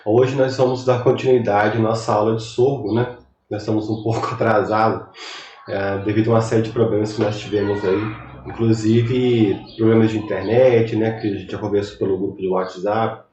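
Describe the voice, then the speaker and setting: Sniffly Brazilian lecturer in an echoey room. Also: male voice, on the low side, little pitch movement, moderate pace, darkish tone, recorded from a distance, highs cut off, slight background noise. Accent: Brazilian Portuguese. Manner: rambling, conversational, chatty asides. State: recovering from a cold, sniffly. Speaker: university lecturer. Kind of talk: recorded online lecture.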